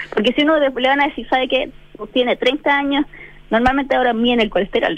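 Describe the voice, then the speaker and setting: The voice belongs to a woman with a high pitch. She speaks fairly quickly. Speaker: biomedical researcher. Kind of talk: interview.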